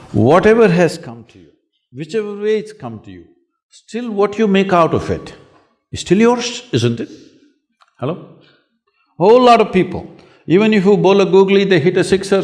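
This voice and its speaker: A hoarse man with an Indian English accent answering student questions in a public talk, asking rhetorical questions and inviting agreement. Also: mid-range voice, darkish tone. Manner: rhetorical, asks the audience to agree. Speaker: spiritual speaker answering questions. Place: large lecture hall with an audience.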